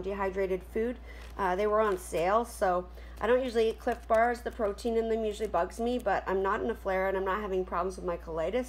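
A woman's voice: a little high, a little hiss or hum. A middle-aged woman from Canada in a casual camping vlog, chatting with many ums as she lists her gear, filmed on a nearby camera at home. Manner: chatty, many ums and uhs, listing items quickly. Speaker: camping vlogger. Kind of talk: casual show-and-tell vlog. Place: home room with wooden floor, indoors.

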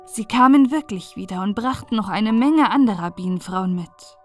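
With faint music behind her, a medium-pitched female narrator performs a fairy tale audiobook, her delivery measured and expressive.

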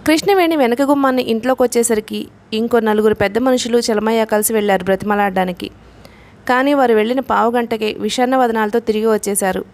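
A woman reads a novel aloud for an audiobook. She tells the story in a steady, even way. Her voice sits a little high. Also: fast. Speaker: audiobook narrator.

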